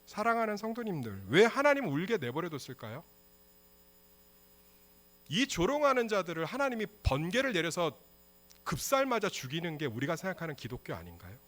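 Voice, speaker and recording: Animated, bright-voiced male pastor preaching. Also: high-pitched, fairly quick. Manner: impassioned, shifts between hushed and loud. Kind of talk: sermon.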